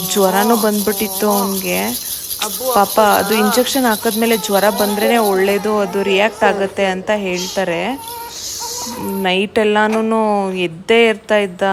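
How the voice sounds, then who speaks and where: Chatty young woman vlogging over noise. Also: mid-range voice. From India. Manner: chatty, mixes English words into her talk. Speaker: vlogger and new mother. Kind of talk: casual vlog narration.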